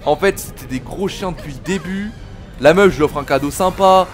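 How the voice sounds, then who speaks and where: A man's voice: on the high side, moderate pace, faint music behind. A man, angry, swearing and slangy, commenting on a video game he plays and talking to his viewers. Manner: swearing, slangy, talks to viewers as "les gars". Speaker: gaming video host. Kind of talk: let's play commentary.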